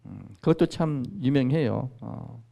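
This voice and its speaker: A man's voice: mid-range voice, lively intonation, a little slow, vocal fry, mellow. A man in his sixties, a priest, giving an informal history lecture and chatting with his audience with questions and asides. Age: 60s. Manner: conversational, asks the audience questions. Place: lecture room.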